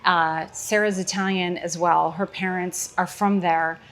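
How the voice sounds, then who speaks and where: A woman's voice: fairly low pitch, steady tone, a little slow, a bit bright. Woman, Chicago accent, middle-aged, comedian host, playful joking chat. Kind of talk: casual chat.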